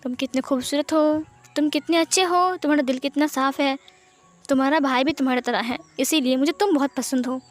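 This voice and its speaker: A woman's voice: sits high, fairly even intonation, a little fast, faint music behind, natural voice. A woman voicing a fussing, protective mom. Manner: fussing and chiding. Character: protective warm-hearted mother.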